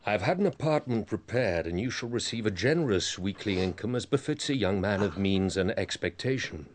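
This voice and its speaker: Brief: male actor as a low-voiced, icy aristocrat, measured and commanding, radio play. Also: expressive, slight background noise, lightly acted. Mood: cold. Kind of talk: radio drama acting.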